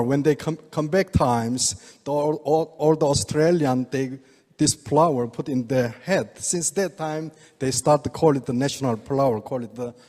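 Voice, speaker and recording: Older Korean man, slightly high voice. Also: warm tone. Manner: halting broken English, chuckles often. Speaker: speaker, oriental medical doctor. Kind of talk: presentation to a live audience. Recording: reverberant hall.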